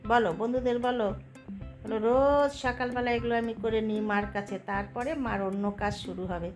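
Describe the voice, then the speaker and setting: A woman's voice: on the high side, steady tone, normal speed, close to an everyday voice. A woman speaking as her pampered pet cat, chattering sweetly in the first person over background music. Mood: contented.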